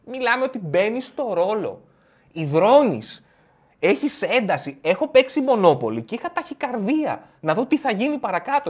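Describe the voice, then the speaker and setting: Man, young adult, comic monologue, lively swooping pitch, plays out friends' voices. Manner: animated, acts out friends' voices. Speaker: comedian host. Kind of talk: stand-up style comic monologue.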